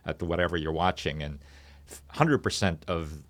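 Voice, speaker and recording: A man speaking as a company founder and interview guest in a studio, explaining in a halting way as he pieces his thoughts together. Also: deep voice, fairly bright tone. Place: podcast studio.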